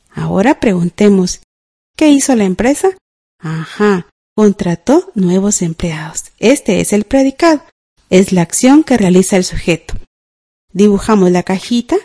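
A mellow, warm-toned woman leads a scripted radio grammar lesson. She goes step by step, spells words out and checks in with little "ujú" and "¿verdad?" prompts. Her pitch sits in an ordinary middle range. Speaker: radio teacher.

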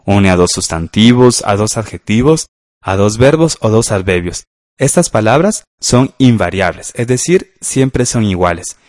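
A patient male teacher giving a radio grammar class, his lowish voice rising and falling in a lively way as he checks each answer. The sound is close and dry, with no room around it. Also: a little slow, dry recording. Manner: patient, walks through exercises step by step with "ajá" and "¿verdad?". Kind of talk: radio lesson explaining grammar.

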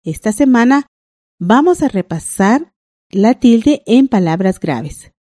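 A woman teaching a language lesson on a broadcast, reading out rules and examples in a clear, deliberate way. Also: a little high, expressive, warm tone, no echo, clean studio sound.

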